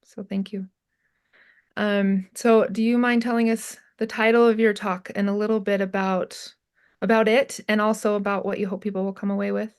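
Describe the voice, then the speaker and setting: A woman's voice: medium pitch, level tone, normal speed, a little mellow, clean tone. A woman hosting an interview, friendly and upbeat as she announces a conference and asks questions. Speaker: interviewer, event organizer.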